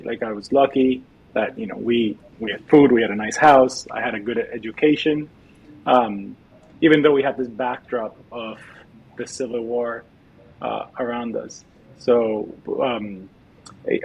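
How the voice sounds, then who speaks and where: Husky-voiced Salvadoran-born man reminiscing. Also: mid-range voice, lo-fi sound. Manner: reflective, frequent restarts and fillers. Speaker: guest. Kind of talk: podcast interview.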